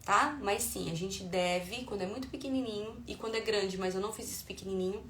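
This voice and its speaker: A woman's voice: medium pitch, brisk. A middle-aged woman with a Brazilian Portuguese accent, a parenting educator giving advice to parents in an explanatory tone. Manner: warm explanatory tone, acts out dialogue with her children. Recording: echoey room with faint ambient noise.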